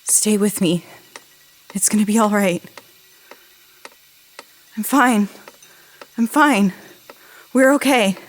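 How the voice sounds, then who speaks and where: A woman playing a frightened, injured young crash survivor in an audio drama, halting and pleading as she repeats herself. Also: medium pitch, rough recording. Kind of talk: naturalistic audio drama acting.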